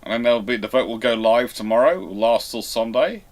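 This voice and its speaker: A man hosting a live question and answer stream in a casual way, halting as he thinks aloud. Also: mid-range voice, a little mellow.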